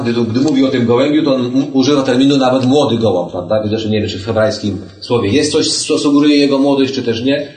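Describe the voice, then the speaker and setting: A man leads a Bible study lesson, reading verses aloud and stopping often to explain them with rhetorical questions. His voice sits in a middle pitch and comes from some distance away. The room is echoey, with a faint hiss of noise underneath. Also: darkish tone.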